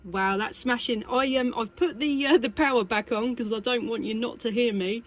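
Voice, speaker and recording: A woman's voice: fairly high pitch, moderate pace. A chatty, exclamatory woman operating a CB radio in a two-way chat. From United Kingdom. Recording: radio contact with faint static.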